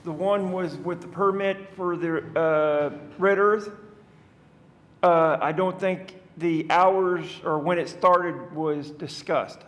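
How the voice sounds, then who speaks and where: Speaking slowly at a council podium microphone, a man gives public comment in a conversational, rambling way, often restarting. His voice is fairly high and fairly bright with fairly even intonation, and the council chamber is reverberant.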